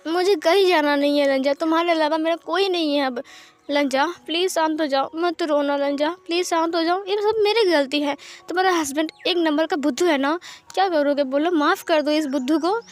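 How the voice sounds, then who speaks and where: A woman's voice: high-pitched, fairly quick, close to an everyday voice. A woman voicing a doting young man who keeps apologizing and soothing his partner in a fan story. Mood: apologetic. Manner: coaxing, apologetic. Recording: faint background music.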